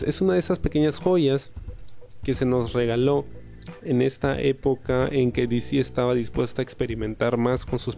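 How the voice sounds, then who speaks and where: A man's voice: medium pitch, gravelly, warm tone. A man reviewing a graphic novel in a casual, reflective way, often tagging his points with questioning asides and a few hesitant fillers. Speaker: comic book reviewer.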